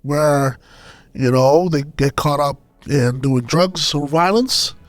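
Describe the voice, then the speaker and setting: Podcast guest, male, from Sudan. Fairly high pitch, hesitant personal storytelling, close dry sound. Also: slow, no echo.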